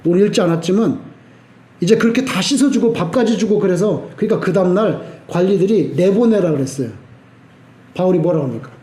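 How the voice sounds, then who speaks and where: A male pastor preaching a sermon, telling the story with lively acted-out quotes and sudden shouts. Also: high-pitched, fairly quick. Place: church sanctuary. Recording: echoey church sanctuary.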